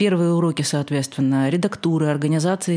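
A woman's very deep, low voice, dark and mellow in tone, with fairly even intonation. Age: 40s. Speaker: journalist. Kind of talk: interview.

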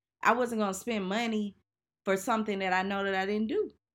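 In a very clean recording with a silent background, a woman speaks at a fairly quick pace in an animated tone and a medium pitch. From US South, Birmingham, Alabama. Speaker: podcast host, real estate investor. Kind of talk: personal storytelling monologue.

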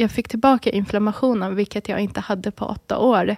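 A woman with an ordinary speaking voice talks at a moderate pace and medium pitch, in a dry, close sound with no echo. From moved to Sweden at age seven as a refugee. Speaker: engineer and consulting firm founder. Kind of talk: interview conversation.

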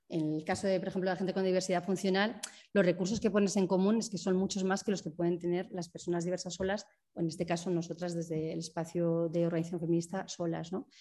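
Speaking at a very fast pace, a woman uses a fairly low pitch, a dark, mellow tone and monotone, flat intonation. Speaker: activist researcher. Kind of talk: lecture.

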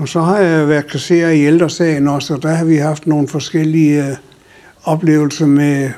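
A man's fairly high voice comes through noticeable background noise. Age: 80s+. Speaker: local resident interviewed. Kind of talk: vox pop interview.

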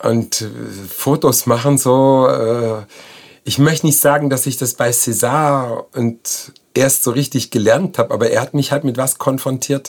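At a fairly slow pace, a man talks at a medium pitch with fairly even intonation. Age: 50s. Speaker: podcast host. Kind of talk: casual chat. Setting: studio. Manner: hesitant, many fillers.

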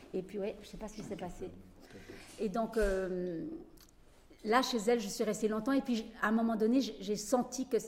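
A woman's medium-pitched voice at a moderate pace. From Switzerland, Neuchâtel. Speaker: choreographer. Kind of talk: public talk.

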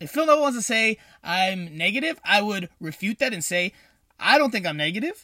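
Pitched high, a man speaks in a raised, projected voice at a fairly quick pace, his pitch swinging very widely. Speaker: sports podcast co-host and reporter. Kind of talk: casual sports podcast discussion.

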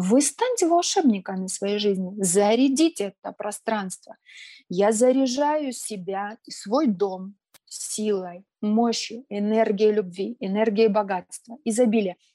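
A very slow voice with a warm tone and a dark, mellow tone, in a dry, close sound with no echo. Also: woman, fairly high pitch for a woman, ordinary pitch variation. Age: 40s. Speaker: storyteller sharing life story. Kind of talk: personal testimony; spoken affirmations. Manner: warm and emotive.

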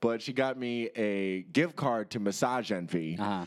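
A man is speaking. He has an American accent. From US Midwest, Chicago. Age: 20s. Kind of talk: casual chat.

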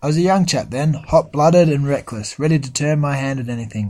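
On a very clean recording with a silent background, a man with a fairly high pitch uses a normal speaking voice, talking at a fairly quick pace with ordinary pitch variation. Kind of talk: dramatic confession, gravely reading aloud in character.

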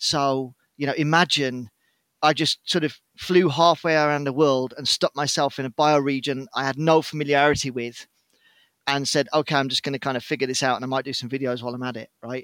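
A man with a British accent, fairly high-pitched for a man, at a fairly quick pace with fairly even intonation, in a dry, close sound with no echo. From UK. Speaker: outdoorsman and survival instructor. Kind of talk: casual interview conversation.

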